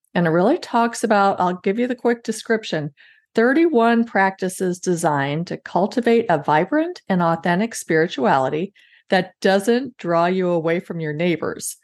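A woman hosting an interview podcast, chatting in an upbeat, enthusiastic way. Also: fairly low pitch. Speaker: podcast host. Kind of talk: casual interview chat.

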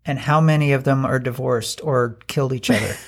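A man's voice: mid-range voice, steady tone, brisk. A wisecracking man co-hosting a podcast in casual chat, with wry remarks. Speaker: podcast co-host.

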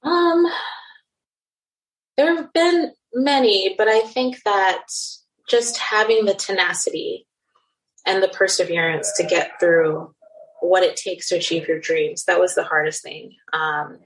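Reflective woman, low voice, American accent. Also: unhurried, low-quality recording. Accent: general American. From Nigeria and the Netherlands. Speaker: cosmetic surgeon guest. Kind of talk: interview conversation.

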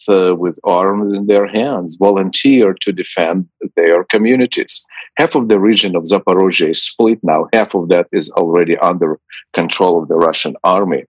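A middle-aged man answers interview questions in a very low voice, stopping often with fillers and restarts. The recording is close and dry, with no room sound. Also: dry recording, low-quality recording. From Ukraine. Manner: hesitant, many fillers and restarts. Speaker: ministry president, guest. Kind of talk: radio interview.

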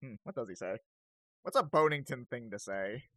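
A dungeon master running a tabletop game in casual banter, self-deprecating and given to sudden loud bursts. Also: medium pitch, expressive, moderate pace, no room sound, clean studio sound.

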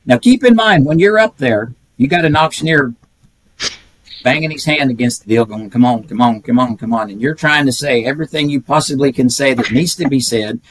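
This older podcast guest, a retired pedigree reader, speaks in a mid-range voice at a slightly fast clip. The audio is poor but echo-free, and he chuckles frequently while telling folksy stories in a casual chat.

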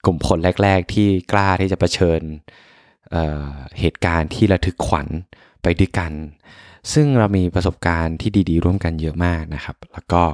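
A soft-spoken man hosting a podcast, telling personal stories as unhurried, reflective bedtime pillow talk. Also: low-pitched, steady tone, no echo, studio quality. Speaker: podcast host.

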